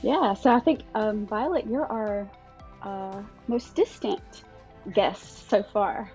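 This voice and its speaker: A woman's voice: medium pitch, expressive, slow, dark tone, dull audio, soft background music. A woman co-hosting a podcast, talking in a friendly, chatty and reassuring way. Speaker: podcast co-host. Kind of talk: casual podcast chat.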